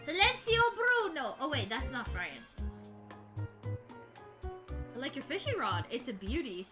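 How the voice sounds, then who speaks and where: A woman's voice: a little high, sing-song, a little slow. A young woman hosting a casual game livestream, bubbly and rambling. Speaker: livestream host. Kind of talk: casual game stream chat. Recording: live stream with loud game music.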